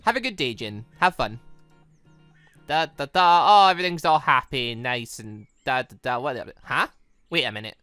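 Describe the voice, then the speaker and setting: Gaming host, let's play commentary, bright forceful voice, very animated pitch, rambling, dry close recording, music behind. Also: moderate pace, smooth, no echo. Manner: animated, rambling, self-questioning asides. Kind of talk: let's play commentary, reading game dialogue aloud. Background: game music.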